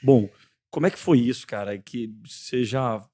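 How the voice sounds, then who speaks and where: A man's voice: medium pitch, normal speed, dark tone. A man with a Goiás accent hosting a podcast, asking long, rambling questions with many restarts. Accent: Goiás Brazilian Portuguese. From Brazil, Goiânia. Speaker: podcast host. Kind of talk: casual podcast chat.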